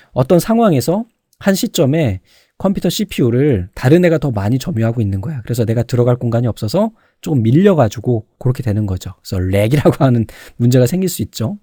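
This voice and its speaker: Animated male lecturer, dry close sound. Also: mid-range voice, no room sound. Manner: conversational, poses and answers his own questions. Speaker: online computer certification lecturer. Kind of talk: informal explanatory exam lecture.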